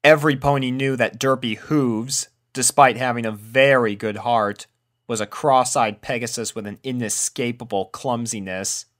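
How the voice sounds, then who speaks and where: A man's voice: medium pitch, steady tone, normal speed, a bit bright. A man reading a scripted story aloud as its narrator. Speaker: fan fiction reader.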